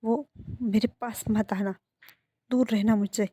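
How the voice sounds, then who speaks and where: A woman's voice: medium pitch, fairly even intonation, measured pace, dark tone, slightly rough, no room sound, studio quality. A woman voicing an upset, frightened young man in a narrated fan-fiction story, speaking in a pleading, agitated way. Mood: defiant angry.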